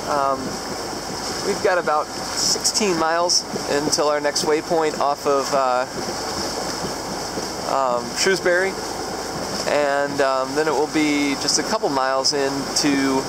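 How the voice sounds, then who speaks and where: A tired man sailing a boat, giving a low-key, hesitant, casual spoken video log. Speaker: sailor vlogger. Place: outdoors on a sailboat at sea. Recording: very noisy wind and boat engine noise. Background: wind, water, boat motor.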